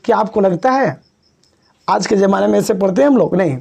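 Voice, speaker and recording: A male teacher gives an exam-prep video lecture. His voice is gravelly and mellow. He repeats key points and coaxes his students along. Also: high-pitched, brisk. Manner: coaxing, repetitive, addresses students as "babu". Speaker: English teacher.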